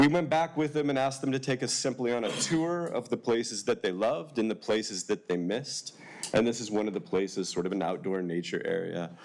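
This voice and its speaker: A man with an American accent, medium pitch and lively intonation, at a fairly quick pace with hardly any pauses, amid noticeable background noise. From United States. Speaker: professor. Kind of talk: conference talk.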